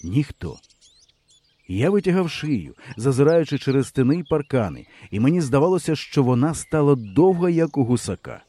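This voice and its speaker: A man reading a first-person novel aloud with expressive storytelling. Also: mid-range voice, moderate pace. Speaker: audiobook reader. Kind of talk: audiobook narration.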